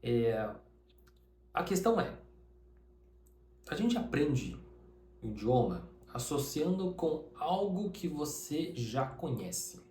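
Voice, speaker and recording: A man's voice: on the high side, very animated, slow pace, pauses often, a little mellow, roomy sound, slight background noise. A man from Taiwan whose first language is Mandarin, teaching a casual spoken lesson to camera and often tagging his sentences with checking questions. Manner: conversational, uses many tag questions.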